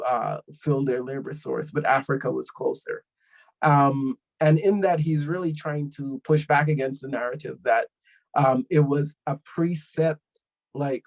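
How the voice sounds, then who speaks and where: Man with a gravelly voice. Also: medium pitch, darkish tone, rough recording. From Guyana. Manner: thoughtful, explanatory, with frequent fillers. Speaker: panelist. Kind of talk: online panel discussion.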